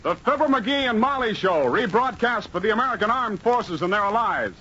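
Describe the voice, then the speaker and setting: A man's voice: sits high, lively intonation, a little fast, muffled recording. A male announcer making a formal, declaiming scripted introduction on an old radio broadcast. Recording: old radio with loud music.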